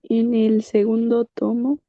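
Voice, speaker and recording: Woman student on a call, slow and unsure, hums a lot, dry dull sound. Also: a little high, monotone, dry recording. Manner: hesitant, thinking aloud with hums. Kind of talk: answering questions in an online lesson.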